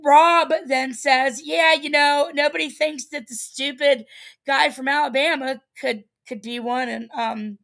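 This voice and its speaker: A woman's voice: high-pitched, fairly even intonation, a little slow, gravelly, fairly bright tone. A woman hosting a livestream, casually recapping a reality show in a chatty, rambling way with lots of fillers. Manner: chatty, rambling, laughs at herself, many fillers.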